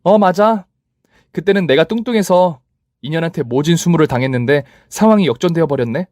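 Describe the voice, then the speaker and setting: A man's voice: a little high, big pitch swings, moderate pace, dry recording, clean studio sound. A man doing a brash, taunting young woman. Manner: taunting, crude. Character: brash, vengeful young woman, tough and mocking.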